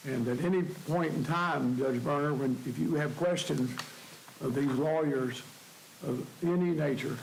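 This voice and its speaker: Older man with gravelly voice, halting delivery. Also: on the high side, poor audio. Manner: halting, frequent hesitations and repeated words. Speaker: presiding appellate judge. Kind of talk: courtroom opening remarks. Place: courtroom. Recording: faint hiss.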